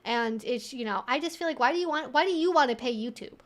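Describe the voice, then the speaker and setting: A woman's voice: high-pitched, animated, fast talker. A woman hosting a casual livestream Q&A, talking conversationally and emphatically as she thinks aloud. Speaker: livestream host. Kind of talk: casual Q&A livestream chat, reading viewer comments.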